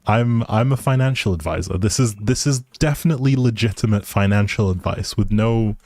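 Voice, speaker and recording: A man's voice: lowish voice, a little fast, a little mellow, no room sound. A man livestreaming a game with casual, playful, teasing chat to his viewers.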